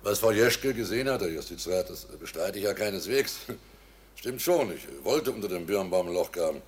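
A man's voice: low voice, lively intonation, moderate pace, slightly rough. A man acting in a German radio drama as a wily innkeeper under suspicion, explaining himself in a hesitant, ingratiating way. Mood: ingratiating, evasive. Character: wily village innkeeper, a suspect protesting innocence.

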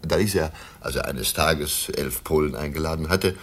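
A man's voice: extremely low pitch, normal speed, fairly bright tone. An actor playing a jovial, worldly traveling businessman in a German radio play, opinionated and fond of anecdotes and maxims. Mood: genial storytelling.

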